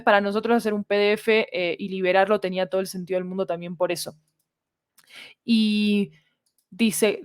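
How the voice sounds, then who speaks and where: A woman's voice: medium pitch, smooth, no echo, studio quality. A woman explaining things conversationally as a podcast guest, discursive and often checking in with short tag questions. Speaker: podcast guest, fiction audio producer.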